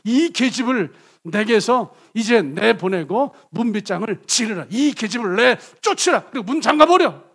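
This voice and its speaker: A man playing a cruel young prince in a sermon retelling, giving harsh, commanding shouts with a husky edge. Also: high voice, expressive, normal speed, few pauses, voice pushed up, full character voice. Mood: scornful. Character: cruel young prince ordering a woman thrown out.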